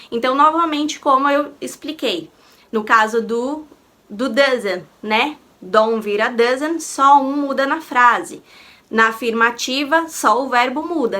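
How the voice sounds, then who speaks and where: A Brazilian woman with a Portuguese first language teaches English grammar online, walking through each rule patiently. She asks herself rhetorical questions and repeats the key points. Her voice is bright and sits somewhat high. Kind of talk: explanatory online lesson.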